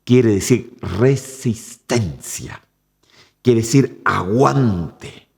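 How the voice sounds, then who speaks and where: A man's voice: on the low side, lively intonation, drawn-out words, creaky, darkish tone. A male pastor preaching a sermon, emphatic and direct, often calling his listeners "brother". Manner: emphatic, addresses the congregation as "hermano". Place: church. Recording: long church reverb.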